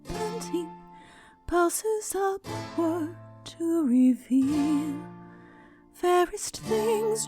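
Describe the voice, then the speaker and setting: Woman singing poetry for an audiobook, really high and drawn out, guitar behind. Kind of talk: singing verse as audiobook performance. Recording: music under the voice.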